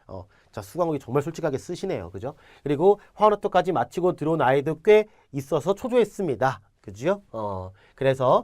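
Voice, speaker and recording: A man talks fairly quickly in a fairly high pitch, with vocal fry and very wide pitch swings. His loudness swings a lot, and the sound is dry and close with no echo on a very clean recording with a silent background. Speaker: online chemistry lecturer. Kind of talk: lecture. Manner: fast; casual, many filler sounds.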